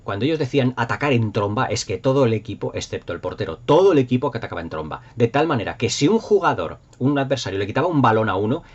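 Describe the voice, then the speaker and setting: Animated and quick, with few pauses, his mid-range voice has a slightly rough texture. The middle-aged Spaniard, a YouTube host, chats nostalgically and casually with his viewers, enthusiastic, emphatic and rambling, over dull lo-fi audio.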